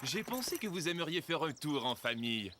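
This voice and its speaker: A man's voice: a little high, sing-song, brisk, very noisy. A man voicing a friendly, encouraging cowboy ranch hand in a children's cartoon. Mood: upbeat. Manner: encouraging, explanatory. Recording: music behind the voice.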